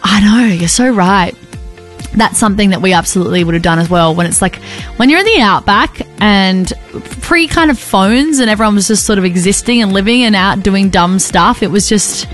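Young Australian woman, radio host, husky and chatty, light music bed behind. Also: medium pitch. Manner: chatty, rambling, enthusiastic. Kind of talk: casual on-air chat. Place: radio studio.

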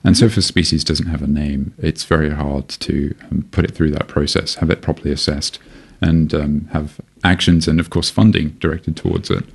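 A deep-voiced man with a gravelly edge talks through his work as a radio guest. He is from Malaysia and speaks thoughtfully, pausing and restarting often as he finds his words. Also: steady tone. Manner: thoughtful, hesitant, many restarts. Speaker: seed bank botanist.

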